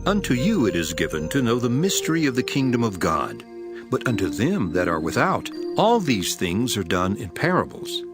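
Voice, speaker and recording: A man playing a solemn, authoritative male teacher of parables, declaiming deliberately in a dramatized scripture reading. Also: fairly low pitch. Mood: solemn teaching. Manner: declamatory, deliberate preaching delivery. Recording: prominent music behind the voice. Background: music.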